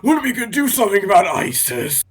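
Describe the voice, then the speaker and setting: A person giving terse, casual reactions and reading posts aloud among friends, with drawn-out interjections. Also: mid-range voice, big pitch swings, husky.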